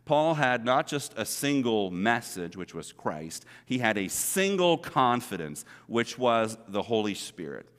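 Brief: middle-aged male pastor, earnest conversational preaching, low voice, long church reverb. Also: fairly bright tone. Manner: earnest, conversational preaching with repeated words for emphasis. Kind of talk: sermon. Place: church sanctuary.

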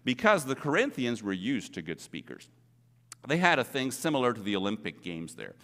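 A man's voice: mid-range voice, sing-song, normal speed, a bit bright. A middle-aged man preaching a sermon as pastor, earnest and conversational, stressing points by repeating words. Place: church sanctuary. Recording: long reverb of a church hall.

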